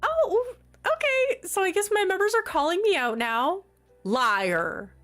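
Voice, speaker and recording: A woman's voice: extremely high pitch, sing-song, unhurried, a bit bright. A woman chatting casually on a live stream, giggly and talkative as she greets and answers her chat.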